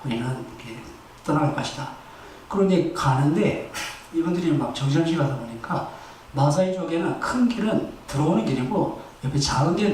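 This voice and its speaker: A man's voice: fairly high pitch, darkish tone, a little hiss or hum. A male pastor delivering a Sunday sermon in a church, telling stories animatedly and exhorting the congregation. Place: church sanctuary. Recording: echoey church hall, distant mic.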